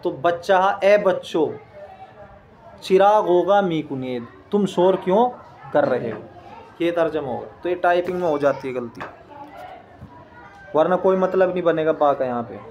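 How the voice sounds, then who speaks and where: A man's voice: a little high, animated, moderate pace, pauses often, a little mellow, lo-fi sound. A man teaching a lesson. He reads each Persian phrase aloud, then patiently explains and translates it word by word, repeating key points.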